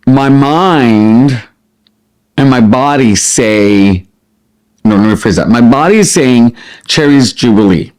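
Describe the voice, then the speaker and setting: A middle-aged man chatting casually as a vlogger, expressive and prone to wandering off on tangents as he answers questions. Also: mid-range voice, slow. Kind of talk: casual chat to camera, answering listed questions.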